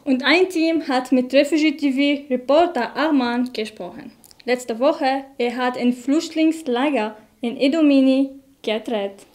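Young woman presenter, high voice. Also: unhurried, darkish tone. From Syria. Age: young adult. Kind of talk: reading a scripted presentation. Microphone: handheld mic.

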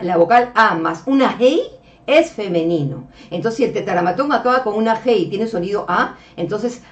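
A woman giving a religious lecture over slides, explaining patiently, often checking in with her listeners and addressing them as beloved brethren. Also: medium pitch. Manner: explanatory, frequent checks with "ok?" and "este" fillers. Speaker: religious teacher. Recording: distant, dull-sounding mic.

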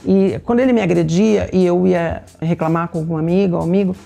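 Gravelly middle-aged woman with a Brazilian accent. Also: fairly low pitch, fairly even intonation, fairly quick, warm tone. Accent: Brazilian Portuguese. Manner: candid, speaks straight to the audience; acts out remembered dialogue as she tells it. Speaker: storyteller sharing a personal testimony. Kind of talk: personal testimony, told to viewers.

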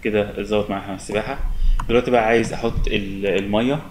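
A young man with an Egyptian Arabic accent giving a relaxed, step-by-step software tutorial at his desk. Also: on the low side, very fast, slight background noise. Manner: relaxed, step-by-step explaining with many fillers. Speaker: software instructor. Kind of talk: screen-recorded software tutorial.

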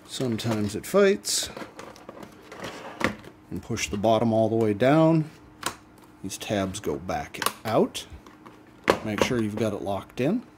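A man hosting a do-it-yourself channel, explaining a repair step by step in a relaxed, casual way as he works at a bench. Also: lowish voice, takes it slowly, long pauses, noisy background. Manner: relaxed step-by-step explaining while working hands-on. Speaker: DIY channel host. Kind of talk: casual how-to demonstration.

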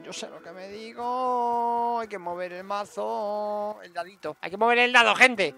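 Excitable gamer guy, bright tense voice, faint game music behind. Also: high voice, unhurried, creaky. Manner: excitable, talks to viewers as "gente". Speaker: gaming streamer. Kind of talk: let's play commentary.

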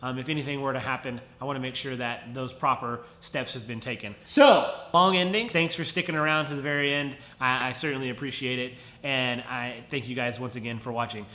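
A man's voice: mid-range voice, steady tone, fairly quick, few pauses, pushed and bright. A man in his thirties with a nasal, congested voice from a head cold, chatting casually to viewers in a friendly car how-to vlog. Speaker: car vlogger. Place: home garage, indoors. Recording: roomy garage echo.

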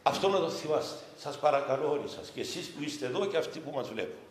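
A man with a Cypriot Greek accent, a bishop giving a sermon in a slow, storytelling manner. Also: on the high side, lively intonation, a little hiss or hum. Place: chapel during a vigil service. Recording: echoey chapel reverb with faint ambience.

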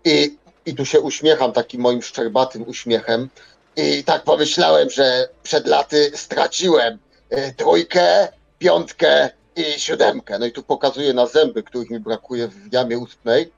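A man's voice: medium pitch, unhurried, gravelly, lo-fi sound. A man roleplaying in a tabletop game, talking hesitantly and wordily and repeating himself. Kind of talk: improvised in-character roleplay.

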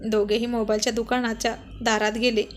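A woman narrating a romantic story in a lively, conversational way. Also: fairly high pitch, a little fast, slight background noise.

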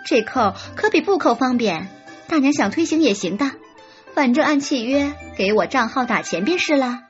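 High, lively woman narrating a novel. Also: moderate pace. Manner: lively, expressive storytelling. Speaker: audiobook narrator. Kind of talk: scripted first-person narration. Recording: slightly muffled with soft music.

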